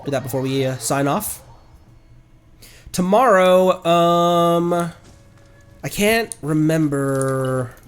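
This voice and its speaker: A man's voice: fairly high pitch, slow, long pauses. A man livestreaming a video game with casual, rambling commentary, thinking aloud as he plays. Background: video game music.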